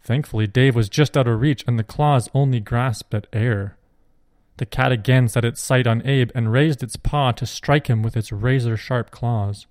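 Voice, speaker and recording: A man reading a Christian children's adventure story aloud in a steady, clear narration. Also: medium pitch, normal speed, no echo, studio quality.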